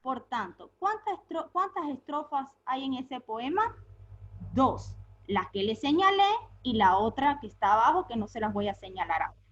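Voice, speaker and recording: A woman teacher giving a recorded remote lesson, patiently asking her pupils questions, answering them herself and repeating key words slowly. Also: high voice, very animated, highs cut off.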